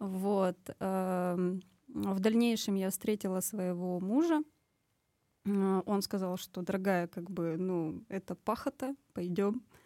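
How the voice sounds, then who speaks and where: Very slow and dark, mellow in tone, a woman speaks at a medium pitch with ordinary pitch variation. The sound is dry and close with no echo, on a very clean recording with a silent background. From Russia, Surgut (Khanty-Mansi region). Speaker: entrepreneur, machine embroidery business owner. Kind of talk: interview. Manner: halting.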